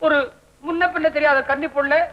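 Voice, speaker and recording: An actor playing a fretful young bachelor in an old comedy film, wailing and self-pitying. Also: male voice, extremely high pitch, flat delivery, fairly quick. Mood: anguished. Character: fretful, whiny young bachelor man in a comic muddle. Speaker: comic lead in a black-and-white film. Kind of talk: 1960s Tamil film comedy acting. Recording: dull old film soundtrack.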